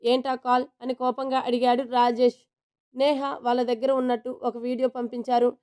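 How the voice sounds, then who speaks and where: A woman storyteller narrating a romantic family story in a steady, even manner. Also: a little high, brisk, clear, resonant tone. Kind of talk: scripted narration.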